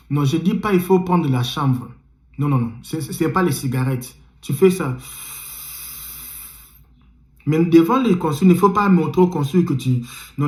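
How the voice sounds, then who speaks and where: A man's voice: on the high side, roomy sound. A man giving emphatic, repetitive visa interview advice straight to the viewer. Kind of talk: animated advice vlog. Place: in the United States.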